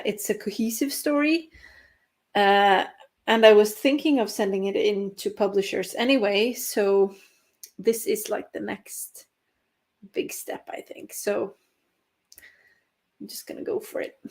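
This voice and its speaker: A young adult woman from Norway, a native Norwegian speaker, chatting casually with viewers on a writing livestream, with frequent laughs and fillers. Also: mid-range voice. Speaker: writing stream host.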